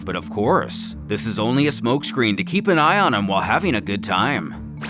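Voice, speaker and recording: A man's voice: lowish voice, big pitch swings, fairly quick, music in the background. A man delivering dramatic scripted narration in a theatrical, emphatic way, as the narrator of a fan story recap.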